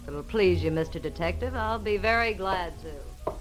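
An actress playing a brazen, sneering American femme fatale in a 1940s radio crime drama, sarcastic, taunting and slangy. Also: female voice, fairly low pitch, animated, normal speed, music in the background, close to an everyday voice. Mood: mocking.

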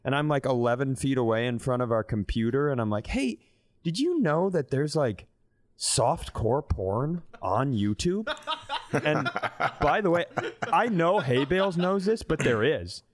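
A man's voice: mid-range voice, animated, a little slow. A man in his mid-thirties co-hosting a comedy podcast, telling casual, blunt stories with swearing and acted-out quotes. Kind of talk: animated casual comic storytelling.

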